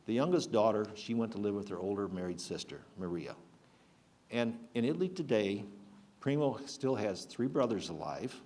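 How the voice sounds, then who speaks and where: An older man giving a public talk, earnest and halting, with frequent restarts. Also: fairly low pitch, darkish tone. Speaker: speaker at a public program.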